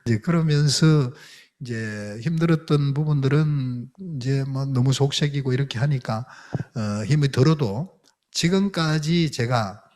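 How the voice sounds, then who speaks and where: A man's voice: mid-range voice, measured pace, a little mellow. A middle-aged man, a missionary, giving a testimony lecture, telling his story with feeling and acting out prayers and quotes. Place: lecture hall.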